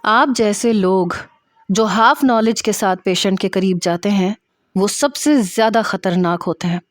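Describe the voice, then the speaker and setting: A woman's voice: mid-range voice, dry recording, lightly acted. Stern male senior doctor played by a woman narrator, harsh and emphatic, dressing down a trainee, dry close sound. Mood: loud, furious.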